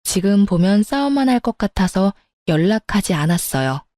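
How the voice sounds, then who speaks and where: A woman reads a first-person true story aloud in a confiding, indignant manner. Her voice is mellow and warm, with medium pitch. The sound is dry and close with no room. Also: sing-song, moderate pace, no room sound.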